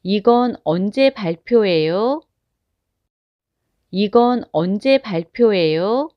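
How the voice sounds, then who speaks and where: A woman reads short example sentences at a very slow, deliberate pace, spacing each one evenly for learners to follow. The sound is dry and a little dull, like a plain close recording. Her pitch sits in an ordinary middle range. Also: no room sound. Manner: careful, evenly spaced phrase reading. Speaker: Korean phrase reader.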